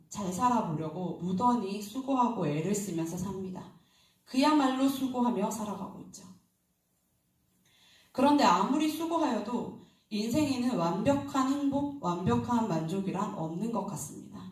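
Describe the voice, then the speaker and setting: A woman's voice: medium pitch, a little mellow. Woman preaching in a very echoey hall. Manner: conversational, anecdotal, asks the congregation questions. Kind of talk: early-morning sermon. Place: church sanctuary. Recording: very echoey hall, distant mic.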